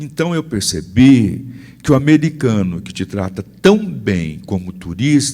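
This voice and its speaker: A man's dark, mellow tone at a fairly slow pace, with very wide pitch swings. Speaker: businessman. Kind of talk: interview.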